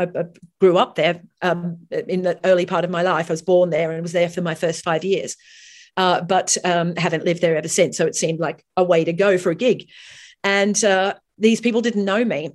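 Chatty Australian-raised woman singer. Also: on the low side. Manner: chatty, animated storytelling with frequent restarts. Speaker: professional singer and guest. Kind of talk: casual interview chat.

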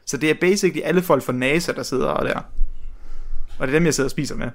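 A young man telling a long anecdote in casual podcast chat, rambling with many restarts and frequent laughter. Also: on the high side. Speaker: podcast guest, researcher.

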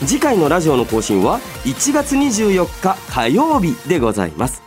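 Hosting a radio show, this man, also a voice actor, shifts politely and chattily from casual talk to announcements, often adding soft "ne" tags. He sits high with huge pitch swings at a moderate pace, soft music playing behind.

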